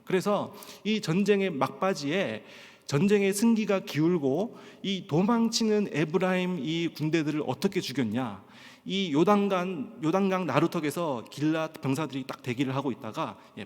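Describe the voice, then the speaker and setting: In a reverberant church sanctuary, a male pastor with a voice on the high side delivers a Friday prayer meeting sermon. Originally from Pohang, South Korea, he speaks standard Korean, his Gyeongsang dialect trained out, telling stories with acted-out quotes and frequent "예" fillers. The recording has long church-hall reverb.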